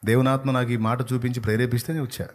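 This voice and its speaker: A man's voice: medium pitch, flat delivery, rapid-fire. A male pastor preaching a sermon with fiery delivery and constant rhetorical questions.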